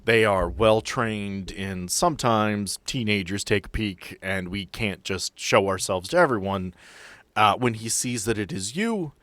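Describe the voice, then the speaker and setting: A man's voice: lowish voice, unhurried, fairly bright tone, no room sound. A man working as game master, narrating a tabletop role-playing game in a descriptive, explanatory way with asides.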